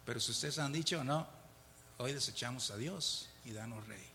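With a bright, forceful tone at medium pitch and normal speed, a man reads Bible verses aloud and explains them to his listeners. He keeps things conversational, often asking "¿verdad?" and chuckling between points. The recording is from a reverberant hall and has slight background noise.

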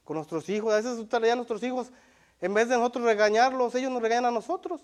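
Earnest Spanish-speaking man preaching a sermon. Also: very high voice. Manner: earnest, repeats himself, asks the congregation "¿verdad?"; reads Bible verses aloud slowly. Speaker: lay preacher.

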